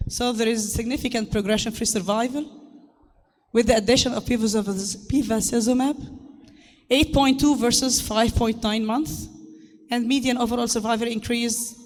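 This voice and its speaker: A woman delivers a formal medical lecture in a harsh, hoarse voice. Her delivery is halting and hesitant. The sound rings with the long reverb of a large hall. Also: a little high, fairly even intonation, darkish tone. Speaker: conference speaker, medical doctor.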